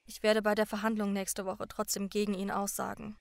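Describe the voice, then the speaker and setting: An actress playing a young woman in a radio crime drama, speaking in a flat, subdued way. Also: mid-range voice, fairly quick, vocal fry, clean tone, no echo, natural voice. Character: young woman named Johanna, saying farewell.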